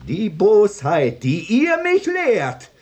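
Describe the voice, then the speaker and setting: Radio drama: Jewish vagrant oddball, declamatory and anguished, very wide melodic swings, unhurried delivery. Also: male voice, sits high, wildly swooping pitch, a little mellow, heavily acted. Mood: bitter, vengeful. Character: Jewish male vagrant oddball reciting a tragic monologue. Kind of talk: theatrical German radio drama recitation.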